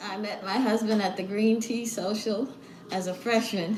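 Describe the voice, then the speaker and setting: A woman is speaking with audible room echo. Noticeable background noise is present. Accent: American. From New Jersey. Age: 90s. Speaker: civil rights veteran. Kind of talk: interview testimony. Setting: pre-recorded video interview.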